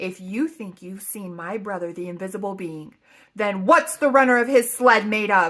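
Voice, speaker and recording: A woman's put-on character voice at medium pitch, moderate pace and lively intonation, with big swings in loudness on a very clean recording with a silent background. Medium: read story. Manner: quiet, firm.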